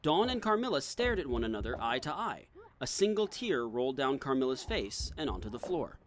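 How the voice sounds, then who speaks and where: Animated man narrating an audio drama. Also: mid-range voice, a little fast.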